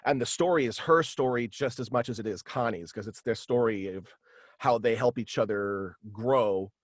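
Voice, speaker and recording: A man talking casually as an interview guest on a video call, halting and animated in manner. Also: medium pitch, dry recording, clean studio sound. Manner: halting and animated, slipping into quoted dialogue. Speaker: guest, voice actor and author. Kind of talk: casual interview chat about own radio play. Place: indoors at home, on a video call.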